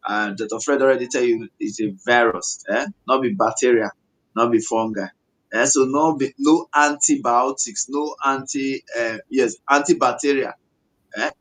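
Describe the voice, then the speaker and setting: West African man teaching haltingly in Pidgin English. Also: medium pitch, fairly bright tone, low-quality recording. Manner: halting teaching with checking tags and repeated phrases. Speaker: medical doctor and co-host.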